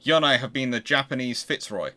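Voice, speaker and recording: A man's voice: medium pitch, lively intonation, brisk, bright, forceful tone. A man hosting a casual history panel discussion in a conversational way.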